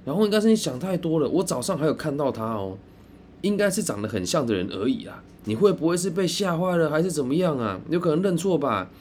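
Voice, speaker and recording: A man's voice: medium pitch, lively intonation, normal speed, darkish tone, slight background noise, lightly acted. A man with a Taiwanese accent voicing a persuasive male friend who coaxes and insists. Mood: insistent. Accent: Taiwanese Mandarin. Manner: coaxing, insistent.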